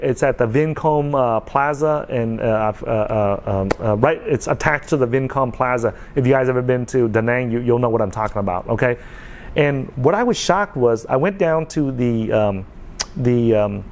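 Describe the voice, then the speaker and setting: An American vlogger in his forties talks casually to camera, earnest and repetitive, frequently checking in with "okay." His voice is medium in pitch with a darkish tone.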